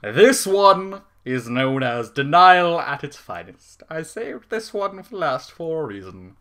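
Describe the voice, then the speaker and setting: Animated, bright-voiced man reading comic fiction. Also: on the high side, takes it slowly. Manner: irreverent, sweary, theatrical. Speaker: narrator reading fan fiction. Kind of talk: comic story reading with casual asides.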